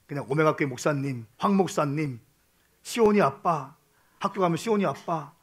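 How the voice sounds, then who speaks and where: A male pastor preaching a sermon, swinging between shouts and soft hushed tones, repeating phrases and calling for amens. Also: fairly high pitch, animated, moderate pace, slightly rough.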